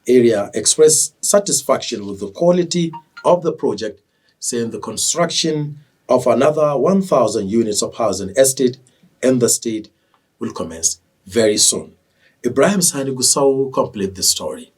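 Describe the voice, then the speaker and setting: Male TV news anchor, Nigerian accent, formal scripted read, somewhat husky low voice, set back from the mic. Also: darkish tone, distant mic.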